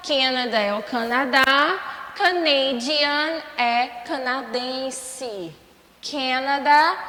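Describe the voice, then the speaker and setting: A woman with a Brazilian Portuguese accent teaching an English class, slowly repeating each word and checking in with her students. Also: sits high, sharp tone. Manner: slow, repeats words for students, asks checking questions. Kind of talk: remote class lesson. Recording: echoey room with long reverb.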